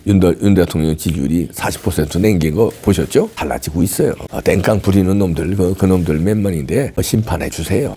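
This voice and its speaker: A man giving heated political commentary in emphatic, scolding rants, his pitch jumping sharply. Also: mellow, husky.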